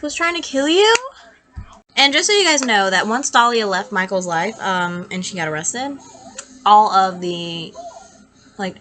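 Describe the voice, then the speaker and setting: A woman's voice: mid-range voice, pushed and bright. A woman with a congested, nasal, sick-sounding voice tells a true crime case to camera in a chatty, blunt, opinionated way, sounding like it hurts to talk. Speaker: true crime video host. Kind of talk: casual storytelling to camera.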